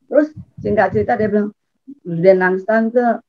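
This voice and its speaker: A middle-aged woman sharing a personal church testimony, storytelling in an animated way and acting out the dialogue. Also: moderate pace. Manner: animated, acts out dialogue with sudden high pitch jumps. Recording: dull lo-fi recording.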